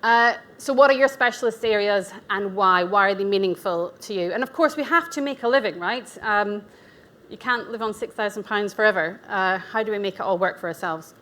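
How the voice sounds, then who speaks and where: Here a nutrition practitioner in her forties, from Scotland and with a Scottish accent, talks at a conference held in an event venue. Her medium-pitched voice is brisk, pushed and bright, and her style is chatty and frank, with asides and self-mocking humour.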